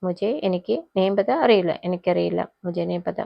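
A woman teaching a spoken Hindi lesson, repeating each phrase slowly and then explaining it. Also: on the low side, fairly even intonation, vocal fry, no room sound, highs cut off.

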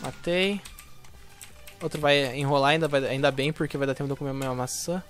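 A young Brazilian man giving casual, slangy commentary over his own gameplay, excitable at first and quieter once he is playing. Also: mid-range voice, brisk, faint music behind. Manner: slangy, excitable intro then quieter focused play talk. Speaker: gaming YouTuber.

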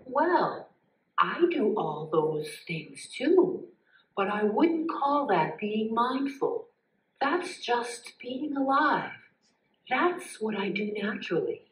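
A calm, inquisitive green snake, voiced by a woman, speaks slowly and thoughtfully in a live puppet show. The voice is a little high and sings up and down. It sounds roomy, as if picked up from across a stage. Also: recorded from a distance, slight background noise. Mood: curious. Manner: slow, thoughtful, politely questioning.

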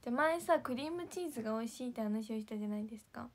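A woman's voice: on the high side, expressive, very fast. A young woman chatting casually to viewers on a livestream, giggling and sometimes dropping to a whisper. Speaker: idol livestream host.

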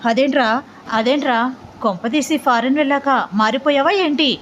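Woman as whiny chatty young man, playful complaining, slightly high, faint hiss. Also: normal speed, muffled recording, close to an everyday voice.

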